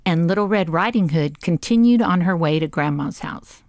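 A woman's voice: fairly low pitch, animated, moderate pace, a little mellow, dry recording, studio quality. A woman narrating a scripted children's story as the storyteller.

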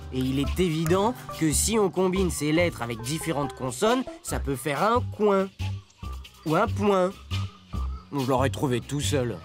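An excitable, theatrical character who dotes on his old toy duck, played by a man, drawling his lines slowly while his pitch leaps up and down. The comic lesson sketch has music running steadily behind the voice. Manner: theatrical, with big swings of pitch between lines. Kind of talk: scripted comic French-sound lesson.

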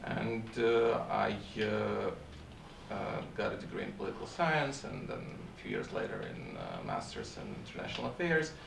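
A middle-aged man from Ukraine speaks English with a Russian accent, pausing often on fillers as he talks on a panel. His voice is very gravelly. He is picked up from across an echoey seminar room. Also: fairly low pitch, sing-song, recorded from a distance, noisy background. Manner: halting, many fillers. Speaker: court interpreter and translator. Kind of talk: panel talk. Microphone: far camera.

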